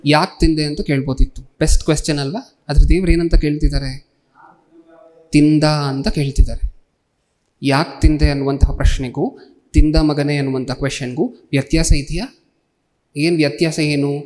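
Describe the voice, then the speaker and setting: A man delivers a sermon in a slightly high voice. He keeps turning to his listeners with rhetorical questions and slows down to read scripture aloud. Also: fairly even intonation, darkish tone. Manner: reads scripture slowly. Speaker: preacher.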